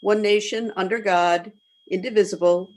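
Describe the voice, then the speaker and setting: A woman's voice: mid-range voice, fairly even intonation, normal speed, darkish tone, slight background noise. A woman council member on a video call, reciting steadily. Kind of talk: reciting the pledge in a meeting.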